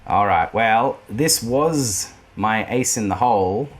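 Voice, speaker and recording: An excitable man commentates his tabletop wargame in casual chat. His pitch moves a lot, leaping up at each surprise. He laughs often and talks to his opponent as he plays. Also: slow pace. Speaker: wargame player and channel host.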